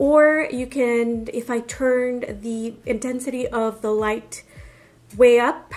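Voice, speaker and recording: Her high-pitched voice stays monotone, with flat intonation throughout. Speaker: beauty vlogger. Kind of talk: casual review chat. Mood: mildly annoyed, chatty. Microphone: phone near.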